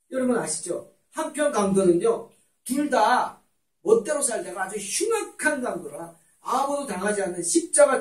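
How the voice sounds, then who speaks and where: A male pastor preaching a sermon in a church. His delivery is animated, swinging between loud emphasis and quiet asides. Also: high-pitched. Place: church sanctuary. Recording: echoey church hall, distant mic.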